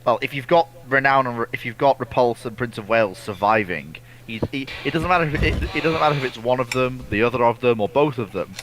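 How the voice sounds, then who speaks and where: Bright-voiced man with a halting delivery. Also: medium pitch. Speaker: co-host reading out and answering viewer questions. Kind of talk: casual naval history discussion.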